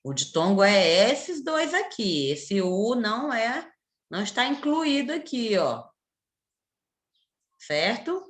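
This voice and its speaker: Brazilian woman, middle-aged schoolteacher, patient and coaxing, animated pitch, echoey room. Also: slow. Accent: Brazilian Portuguese. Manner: patient, repetitive, coaxing with tag questions. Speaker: primary school teacher. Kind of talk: recorded video lesson.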